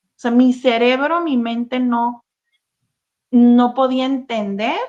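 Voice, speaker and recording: Woman, interview guest, halting testimony with fillers and restarts, slightly high voice, dull lo-fi audio. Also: steady tone, darkish tone. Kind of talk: emotional personal testimony, casual talk. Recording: dull, lo-fi sound.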